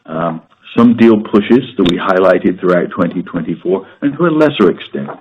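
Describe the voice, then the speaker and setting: A man speaking as a company executive on an earnings call, croaky from a sore throat, measured and businesslike with the odd filler. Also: low voice, expressive, slight background noise. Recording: muffled conference-call audio.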